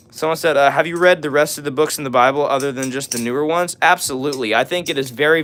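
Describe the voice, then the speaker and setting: Raspy young man chatting on stream. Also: a little high, a bit bright. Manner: reads chat aloud and answers, with frequent "all right" and "uh". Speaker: livestream host. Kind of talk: casual live stream chat with viewers.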